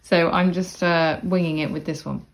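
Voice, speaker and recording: A woman explaining sewing steps in a casual, chatty tutorial voice-over, with relaxed asides. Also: on the low side, normal speed. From Cornwall, England. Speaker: sewing instructor. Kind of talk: casual step-by-step tutorial narration.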